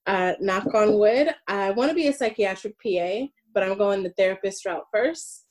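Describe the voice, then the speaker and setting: A woman's voice: mid-range voice, moderate pace, darkish tone, poor audio. A woman in her late thirties who grew up in Brooklyn and whose first language is French. She is a guest in a casual interview, answering with hesitant fillers and frequent laughs. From Brooklyn, USA. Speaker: Air Force sergeant, interview guest.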